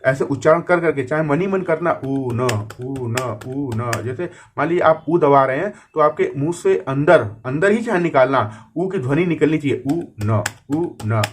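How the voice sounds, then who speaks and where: A man teaching a typing lesson, patiently explaining and drawing out each word slowly as he types it. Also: on the high side, expressive, slight background noise. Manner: patient, repeats words slowly while typing them. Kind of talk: screen-recorded typing lesson. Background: keyboard clicks.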